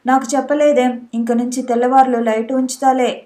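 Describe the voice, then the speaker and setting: A woman reading a caring young husband, gently worried, with a soft, mellow tone and a voice that sits fairly high. he sounds soothing and attentive in a storybook reading. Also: flat delivery, a little fast, natural voice. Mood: concerned. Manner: concerned, soothing. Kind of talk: audiobook character voice.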